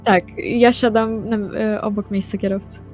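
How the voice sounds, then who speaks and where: A woman's voice: medium pitch, flat delivery, moderate pace, a little mellow. A woman playing a tabletop role-playing game, improvising lines and narrating in a casual, matter-of-fact way. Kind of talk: improvised in-character chat and narration. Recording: music under the voice. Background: background music.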